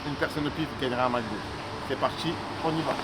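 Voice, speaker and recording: A man's voice: medium pitch, quick pace. A young man vlogging casually to the camera as he travels, in hyped, slangy street talk. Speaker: entrepreneur vlogger. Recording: noisy traffic and street background.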